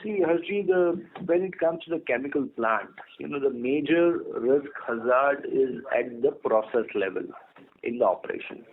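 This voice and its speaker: A man's voice: mid-range voice, lively intonation, normal speed. A man with an Indian accent, a company executive methodically explaining answers on an earnings call. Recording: tinny narrowband phone line.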